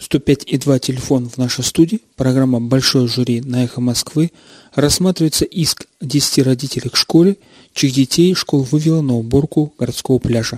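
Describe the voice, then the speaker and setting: The recording sounds dry and close, with no echo. A man's voice comes through somewhat breathy. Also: medium pitch for a man, ordinary pitch variation, moderate pace. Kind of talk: call-in radio show. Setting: studio.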